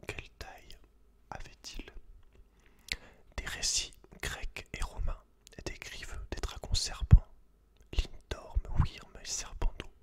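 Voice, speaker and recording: A man whispering breathily as an ASMR host, reading aloud and chatting informally to the listener. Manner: informal, addresses the listener directly as a friend.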